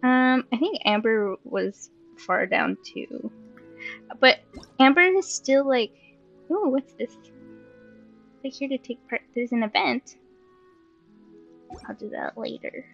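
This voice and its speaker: A woman chatting casually while hosting a gameplay video, excitable and giggly, given to exclamations and sing-song bits. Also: fairly high pitch, slow, gravelly, long pauses, lo-fi sound, soft background music. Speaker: gaming video host.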